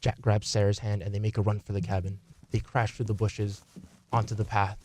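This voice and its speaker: A man's voice: lowish voice, level tone, brisk, darkish tone, slight background noise. A man reading scripted story narration as the narrator of a radio play.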